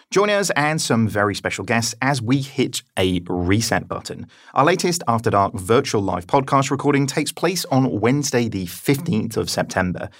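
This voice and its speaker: A man's voice: medium pitch, no room sound, clean studio sound. A man with an East Anglian English accent, presenting as an informal, chatty podcast host and introducing guests. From England.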